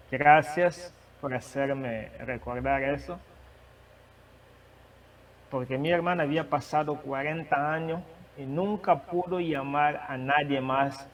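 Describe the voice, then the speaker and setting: A man who is not a native Spanish speaker, preaching and sharing a testimony, with a halting manner and many restarts. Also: mid-range voice, recorded from a distance, slight background noise, poor audio. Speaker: guest preacher. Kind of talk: sermon testimony.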